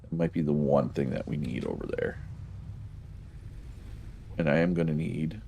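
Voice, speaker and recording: Gravelly low-voiced man, stuffed up. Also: big pitch swings, moderate pace, warm tone, slight background noise. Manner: thinking aloud, chuckling, self-correcting. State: stuffed up nose. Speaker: streamer playing a factory-building game. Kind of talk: casual gameplay commentary.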